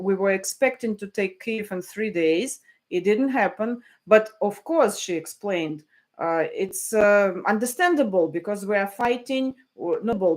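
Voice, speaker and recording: Woman journalist, live commentary, hesitant delivery with restarts. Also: medium pitch. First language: Russian. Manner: hesitant, many fillers and restarts. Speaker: journalist hosting a live stream. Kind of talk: live stream commentary, reading viewer messages.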